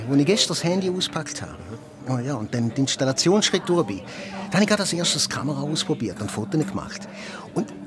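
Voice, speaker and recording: A young man with a Swiss German accent playing an excited, chatty friend bragging about a bargain in a radio play. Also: a little high. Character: eager young man Michi, boastful bargain hunter. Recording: music bed underneath.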